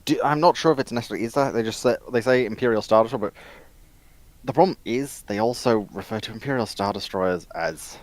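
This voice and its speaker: A man as a guest on a live stream, chatting casually and explaining things in a measured, matter-of-fact way. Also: mid-range voice, no room sound. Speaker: co-host guest.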